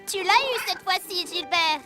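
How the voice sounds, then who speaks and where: An actor voicing an excitable, dramatic four-year-old boy in a French children's cartoon dub. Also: moderate pace, over loud music. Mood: playful. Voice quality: high, childlike. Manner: dramatic, exclaiming.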